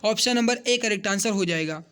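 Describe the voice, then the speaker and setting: Very high-pitched male exam coach. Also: a little fast, pushed and bright, clear, resonant tone. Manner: repeats questions and answers for emphasis; addresses viewers directly as brothers and guys. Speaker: online exam coaching teacher. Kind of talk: exam question walkthrough lesson.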